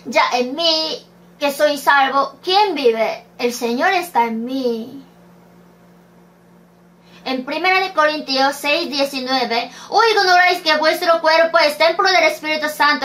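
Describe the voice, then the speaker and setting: A woman's voice: high voice, animated, slow, bright, forceful tone. A woman preaching a sermon, reading scripture verses aloud and asking rhetorical questions. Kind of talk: slow sermon.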